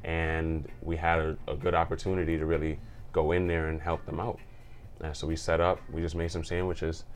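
A man from Jamaica, a community organizer, chatting as an interview guest in an upbeat way, full of shout-outs and laughs. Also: very deep voice, little pitch movement, normal speed, slight background noise. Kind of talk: casual interview chat.

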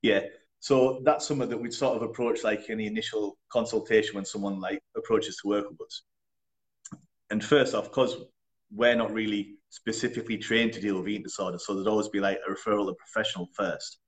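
A young man, a personal trainer, answering in a relaxed, chatty way with blunt wording and frequent laughs. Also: fairly low pitch, a little fast. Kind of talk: casual interview.

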